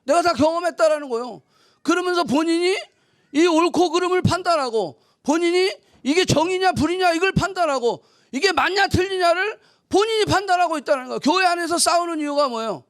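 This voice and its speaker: A woman pastor preaches in a casual, talkative way. Her voice sits very high, and she swings from quiet asides to loud, emphatic bursts. The sound is close and dry, with no room echo. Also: lively intonation, brisk. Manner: acts out mock quotes in a teasing tone. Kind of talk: conversational sermon.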